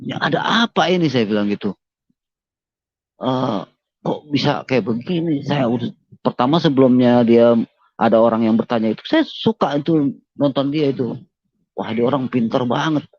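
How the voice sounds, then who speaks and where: A man's voice: mid-range voice, fairly quick, a little mellow, no room sound. Earnest man with a dull lo-fi sound. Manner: earnest, repeats himself, addresses the listener as sir. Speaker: interviewee giving a conversion testimony. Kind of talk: emotional personal testimony. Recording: dull lo-fi dry recording.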